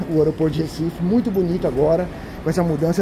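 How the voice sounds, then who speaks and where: There is light background noise. Over it, a man talks at a fairly quick pace. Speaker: travel credit card vlogger. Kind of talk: casual vlog chat. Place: station. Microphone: phone near.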